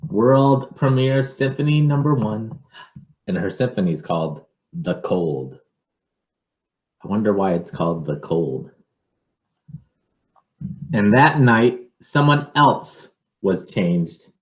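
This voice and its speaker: A roomy, echoing recording of a man reading a children's picture book aloud. He takes it very slowly in a fairly low voice, expressive and measured, with informal asides to young listeners.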